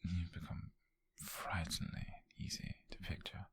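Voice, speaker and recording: A man voicing a tender, flirtatious witch on a date in an ASMR roleplay, with a British accent and a soft, breathy, gravelly whisper. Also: sits low, level tone, slight background noise. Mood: dreamy. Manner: soft, intimate, slow and hesitant.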